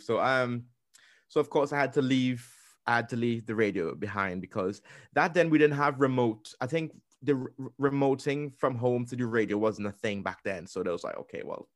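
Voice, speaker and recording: A man in his thirties from Trinidad with a Trinidadian accent, telling stories in a casual podcast chat, talking fast and restarting his sentences often. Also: mid-range voice, fairly bright tone, dry recording, clean studio sound. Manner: fast, rambling, with many restarts.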